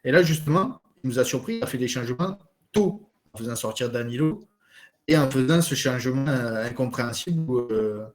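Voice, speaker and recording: Male co-host, even mid-pitched voice, lays out the match calmly in order. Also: brisk. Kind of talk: casual football debate.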